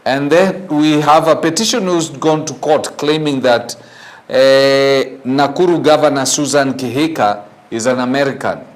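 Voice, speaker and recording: A man with a Kenyan accent hosting a morning show, reading news in a halting, opinionated way with rhetorical questions. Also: mid-range voice. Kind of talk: newspaper review with off-the-cuff opinion.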